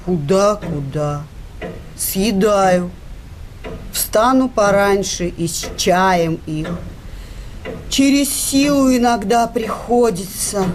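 An actress playing a sharp-tongued, grumpy working-class wife under hypnosis in a comic radio play, blunt and sarcastic. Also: female voice, mid-range voice, slight background noise, close to an everyday voice, low-quality recording. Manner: blunt, sarcastic, slow, coarse.

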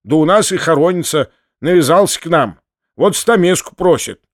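A man's voice: on the high side, expressive, moderate pace, no echo, studio quality, pitched above the performer's own voice, close to an everyday voice. A man doing a stern, pedantic old workman. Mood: scolding. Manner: pedantic, scolding. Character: stern, tall, lean elderly male workman.

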